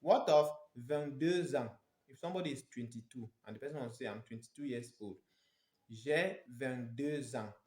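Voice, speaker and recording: A man with a Nigerian accent teaching a language lesson in a didactic, emphatic way, repeating phrases slowly for pronunciation. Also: mid-range voice, darkish tone. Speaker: French teacher. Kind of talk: instructional language lesson, step by step. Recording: echoey, reverberant room.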